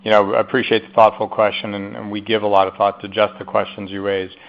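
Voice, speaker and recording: A man executive answering analyst questions on an earnings call, measured and emphatic on key points. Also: on the low side, level tone, creaky. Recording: muffled conference call audio.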